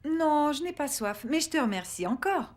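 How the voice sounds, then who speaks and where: A woman playing an affectionate mother in a children's cartoon, gentle and appreciative in manner. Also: high voice, lively intonation, normal speed. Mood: gentle, puzzled. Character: affectionate mother of a small boy.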